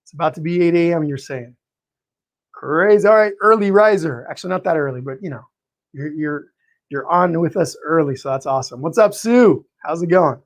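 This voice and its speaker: A man hosting a live painting stream, greeting viewers by name in a friendly, chatty way, his voice a little hoarse and tired, clearing his throat now and then. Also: on the high side, expressive, a little fast. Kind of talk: live-stream chat and teaching.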